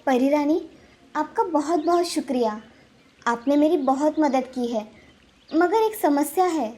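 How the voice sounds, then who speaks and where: A woman voicing a timid, gentle young girl in a cartoon story, speaking softly and pleadingly. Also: high-pitched, animated, a little slow. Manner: pleading, soft. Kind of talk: cartoon voice acting.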